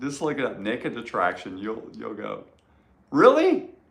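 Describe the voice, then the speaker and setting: Audible room echo surrounds the speaker. He is a man whose voice has vocal fry. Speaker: guitar shop owner and streamer. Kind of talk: live stream chat. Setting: live stream. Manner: casual, rambling with fillers.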